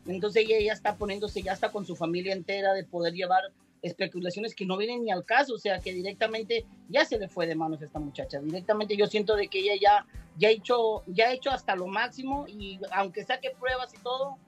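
A man's voice: high voice, a little fast, soft background music. Rambling psychic man on a video call. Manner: rambling, repeats words, says "directamente" often. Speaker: psychic guest.

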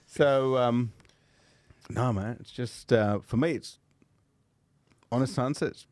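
A man from Liverpool, a startup founder talking frankly on a casual podcast panel, with halting restarts and laughs at himself. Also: medium pitch, darkish tone, no echo. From England (Liverpool).

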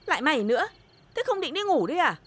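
A woman's voice: high voice, sing-song, fast talker, fairly bright tone. An actress playing an indulgent older mother-in-law in a TV drama, scolding her children while doting on her daughter-in-law. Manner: scolding but doting, exasperated sighs.

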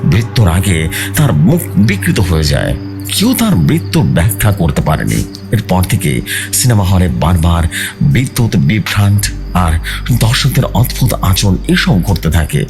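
Casting: male horror narrator, low voice, hugely varied intonation, suspenseful and theatrical, clear music bed. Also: big pitch swings, unhurried. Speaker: horror storyteller. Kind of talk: dramatic first-person horror narration.

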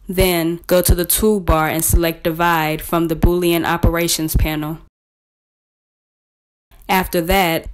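A woman presenting a scripted step-by-step software tutorial in a measured, instructional way. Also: on the low side, clear, resonant tone.

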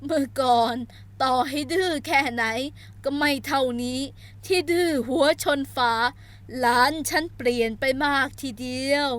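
A woman voicing an elderly grandmother in an audio novel, musing calmly. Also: sits high, unhurried, no room sound. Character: elderly grandmother, calm and wistful.

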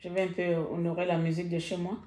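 A woman's voice: fairly low pitch, completely flat delivery, quick pace, warm tone. A woman hosting a casual live stream, talking animatedly and repeating exclamations. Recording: echoey room.

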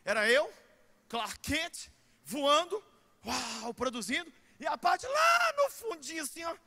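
A middle-aged man with a Brazilian Portuguese accent preaching a sermon in a church, animated and shouting, with comic asides. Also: very high-pitched, unhurried. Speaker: pastor.

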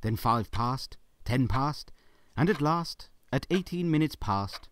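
A man's voice: mid-range voice, animated, slow pace, slight background noise. A man narrating a Christmas audio drama as a wry, theatrical storyteller.

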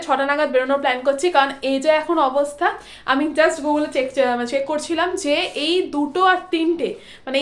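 A young woman vlogging her day in a chatty way, mixing in English words, filmed on a phone at home and on busy streets. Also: high-pitched. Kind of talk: casual daily vlog chat. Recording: noisy street and room background.

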